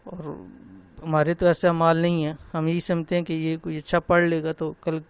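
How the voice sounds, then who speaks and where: A man teaching Quran recitation, slowly spelling out syllables and pointing out common mistakes. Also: fairly high pitch, monotone, clear, resonant tone, no echo. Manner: slow, drawn-out demonstration of syllables, then gentle personal talk. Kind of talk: online tajweed lesson.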